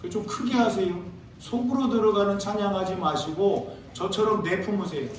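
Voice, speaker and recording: A man preaching a sermon as pastor, asking his congregation questions and answering them himself, and reading scripture slowly. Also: high voice, slight background noise. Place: church sanctuary. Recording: very echoey church, heard from a distance.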